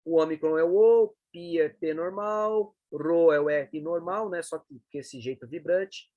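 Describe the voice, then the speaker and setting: A man teaches a lesson on reading Greek letters. His voice sits a bit high, and the recording is dry and close with no room sound. He explains patiently and keeps checking in with short tag questions. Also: a little slow, no room sound, narrow, tinny audio. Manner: explanatory, frequent checking tags like "né" and "tá".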